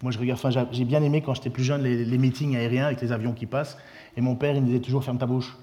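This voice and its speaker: A man preaching a sermon, in a lively, conversational way with many restarts. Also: mid-range voice, very fast, highs cut off.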